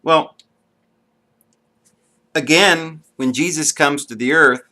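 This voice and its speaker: A man's voice: a little high, slow pace, bright, forceful tone. A man giving an unscripted, earnest monologue to camera, with frequent ums and restarts. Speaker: video blogger.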